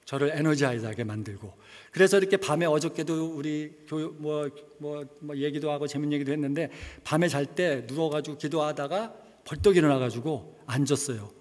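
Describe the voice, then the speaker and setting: A man's voice: a little high, a little fast, few pauses. A middle-aged man, a missionary, giving a conversational sermon with personal testimony and dropping English words into his speech. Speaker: missionary preacher. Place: church sanctuary. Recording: long church reverb.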